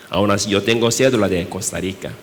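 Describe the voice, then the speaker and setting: Korean-accented male pastor, measured unhurried sermon, lowish voice, echo of a church hall. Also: a little hiss or hum. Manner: slow, halting delivery with rhetorical questions.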